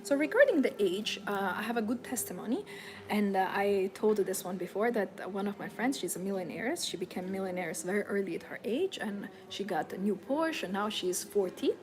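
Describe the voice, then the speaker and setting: A woman's voice: medium pitch, animated, brisk, noisy background. A woman hosting a live stream as a femininity coach, chatting and encouraging her viewers with frequent fillers and restarts. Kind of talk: live-stream talk answering viewers' comments.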